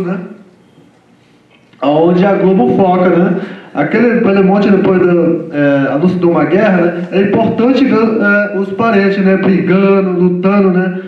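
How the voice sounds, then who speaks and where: Guy speaking as guest at a lecture, halting, keeps tagging phrases, high voice, echoey far-off mic. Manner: halting, repeats "né?" constantly. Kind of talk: informal lecture talk. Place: lecture room. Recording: echoey hall from far off, dull sound.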